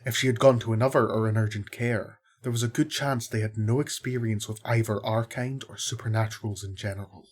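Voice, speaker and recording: Husky, breathy male voice actor as a reasonable archangel healer, measured, gently skeptical, fantasy audio drama. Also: lowish voice, steady tone, close to an everyday voice. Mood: reasoned, probing.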